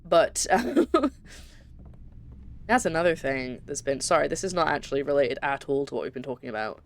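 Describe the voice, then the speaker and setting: This young Scottish woman's voice is deep and gravelly, moving at a moderate pace with lively intonation. She chats casually as she streams a puzzle game, rambling and interrupting herself often.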